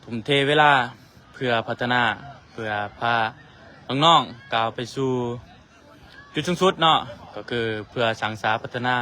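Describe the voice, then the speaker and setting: A man with a Lao accent hosting a livestream, formally thanking sponsors and officials in a measured way. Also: mid-range voice, sharp tone. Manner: formal and measured, full of tag particles. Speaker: livestream host.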